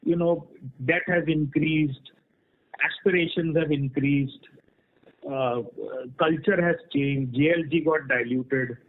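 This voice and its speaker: A man's voice: a little high, fairly even intonation, slow pace. A man speaking as a company executive, explaining frankly and off the cuff on a conference call. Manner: frank, explanatory, often checks with "right?". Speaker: company executive answering analysts' questions. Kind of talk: earnings call question-and-answer, spontaneous explanation. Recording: muffled band-limited conference call line.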